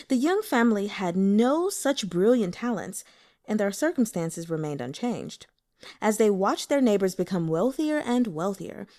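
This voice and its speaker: A woman narrates a novel as an audiobook. Her pitch sits mid-range but moves in lively sweeps. She tells the story with expressive, deliberate storytelling. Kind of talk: scripted narration.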